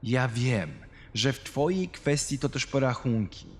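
A man's voice: medium pitch, lively intonation, a little slow, darkish tone, big-room sound, close to an everyday voice. A man voicing a sardonic, smoking detective with a mocking, pointed way of talking in a horror story. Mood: mocking, insistent. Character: sardonic smoking male detective on a murder case. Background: music.

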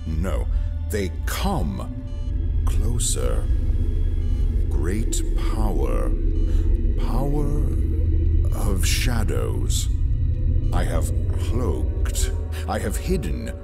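Man playing a very deep, brooding villainous lord. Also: big pitch swings, gravelly, loud music behind the voice, heavily acted. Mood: ominous, reverent. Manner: deliberate, brooding, pausing between phrases. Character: imperious, scholarly villainous male lord, obsessed with ancient power. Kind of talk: dramatized science fiction audio drama.

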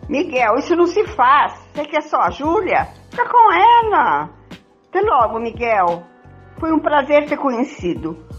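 A woman playing a bold, jealous lover in an amateur radio soap, emphatic and repeating herself, with a husky voice. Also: high-pitched, very animated, unhurried. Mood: hurt. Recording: dull lo-fi recording, music behind.

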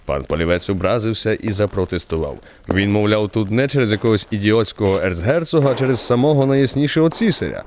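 A man narrating a literary radio drama as the wry author's voice, in an expressive, theatrical way. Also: on the low side, fast talker, few pauses, a little hiss or hum, lightly acted.

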